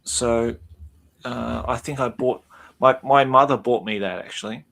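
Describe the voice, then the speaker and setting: A man's voice: mid-range voice, a little slow, gravelly, a bit bright. A man in his fifties with an Australian accent, a podcast guest in casual chat, laid-back, calling people mate and trailing off into fillers. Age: 50s.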